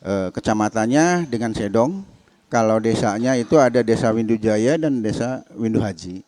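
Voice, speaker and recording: A middle-aged man, a village head answering as a talk show guest, halting and repeating his phrases. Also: lowish voice, expressive, mellow. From Kuningan, West Java. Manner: halting, repeats phrases, says "Pak" often.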